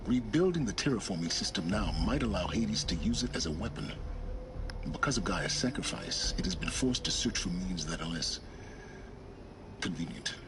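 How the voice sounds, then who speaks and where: An actor playing a cold, calculating man who speaks in a measured, solemn way. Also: low voice, animated. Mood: grave. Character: grim ancient male schemer, cold and calculating. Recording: game audio under faint hiss.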